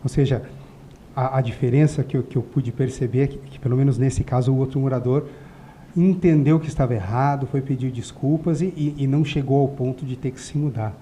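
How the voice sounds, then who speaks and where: A man's voice: medium pitch, fairly quick, slight background noise. A man hosting a talk show, steadily steering the talk. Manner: steady, moderating. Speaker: host. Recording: dull, muffled sound.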